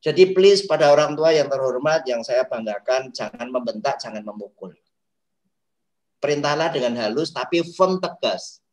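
A man's voice: medium pitch, expressive, moderate pace, poor audio. A man speaking as an autism therapist in an interview, explaining his work like a storyteller who acts out quotes and mixes in English phrases. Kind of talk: talk show interview.

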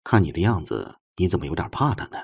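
A man voicing a gentle, tactful professor with a soft, courteous way of talking in an audiobook. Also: low voice, sing-song, quick pace, creaky, breathy edge, voice pushed down, heavily acted. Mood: casually probing. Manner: soft, courteous, probing questions. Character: gentle, polite, tactful male university professor.

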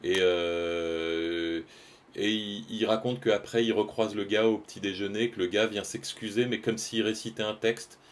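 A man's voice: on the low side, fairly even intonation, unhurried. A man, chatting casually and hesitantly with his stream viewers while he draws live, full of fillers and restarts.

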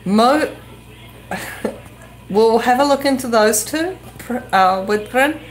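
A woman's voice: a little high, lively intonation, takes it slowly, rough recording. A woman from New Zealand with a New Zealand accent and a slight English tinge, reading viewer comments aloud off camera and stumbling over foreign names. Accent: New Zealand with some English influence. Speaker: co-host reading viewer chat. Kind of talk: casual live-stream chat. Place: same small room, off camera behind the camera.

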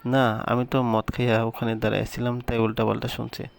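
A sarcastic teenage schoolgirl friend from a romantic audio story, voiced by a man in his own gravelly voice. She speaks in a flat, dry, teasing way. Nearly no shift from the reader's own voice. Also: mid-range voice, a little fast, a little hiss or hum, natural voice.

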